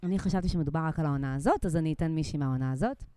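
Smooth, mellow-voiced woman chatting. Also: low voice. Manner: chatty, filler-heavy, self-deprecating. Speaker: podcast co-host. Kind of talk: casual podcast chat.

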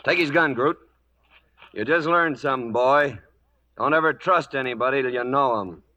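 A man's voice: mid-range voice, normal speed, pushed and bright, muffled recording, close to an everyday voice. An American actor playing a tough, stubborn cattleman with a terse, authoritative manner in a radio western. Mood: commanding. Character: stubborn, commanding frontier cattleman, tough grown man. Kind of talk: 1940s-1950s radio western acting. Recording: old radio recording, faint music.

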